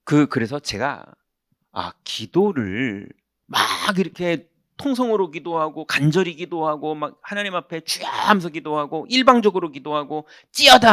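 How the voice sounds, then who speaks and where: A man preaching as a pastor, telling a personal story in an animated way and acting out the people in it. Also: a little high, dry recording, clean studio sound. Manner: animated, acts out quoted voices, shouts punchlines. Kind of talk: sermon with storytelling. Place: church sanctuary.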